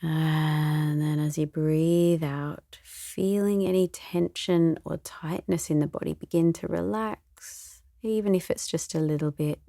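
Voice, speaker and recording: A woman meditation teacher leading a guided meditation in a soothing, gentle, unhurried way, with a soft voice that turns breathy at times. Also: sits low, dry recording, clean studio sound.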